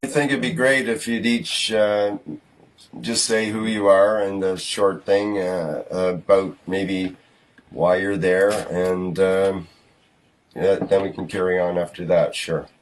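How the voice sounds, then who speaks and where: A man hosting an online workshop, talking slowly and haltingly with many fillers. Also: low voice, fairly even intonation, poor audio. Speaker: host.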